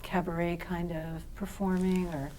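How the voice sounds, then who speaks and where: A woman's voice: fairly low pitch, flat delivery, a little slow. A woman hosting an interview show, asking questions and encouraging her guest. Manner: warmly encouraging, laughs along. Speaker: host. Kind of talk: casual interview.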